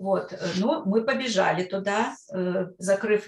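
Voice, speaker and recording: A woman speaks in an ordinary speaking voice, her pitch medium with ordinary pitch variation. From Russia, Kostroma. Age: 50s. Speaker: speech therapist and women's coach. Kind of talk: interview conversation.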